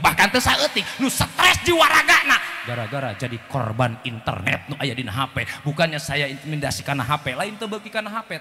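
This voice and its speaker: A man with a Sundanese accent preaching a comic sermon, swinging between chanted verses, shouted warnings and low joking asides. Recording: hall reverb, faint background noise.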